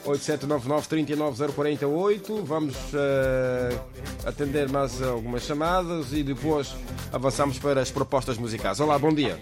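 A man's voice: mid-range voice, moderate pace, music in the background. A man hosting a call-in radio show. He is friendly and chatty and repeats what his callers say. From Mozambique. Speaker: radio host taking calls.

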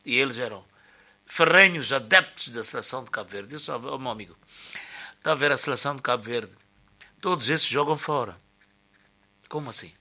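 A man's voice: medium pitch, brisk, long pauses. An older man, commenting on football in a radio debate, telling stories and searching for words. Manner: animated storyteller, searching for words. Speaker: sports commentator.

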